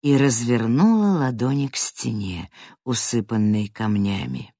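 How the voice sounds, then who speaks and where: An audiobook narrator reading a fantasy story in a dramatic way, swinging from hushed to loud. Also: mid-range voice, animated, unhurried, no echo, clean studio sound.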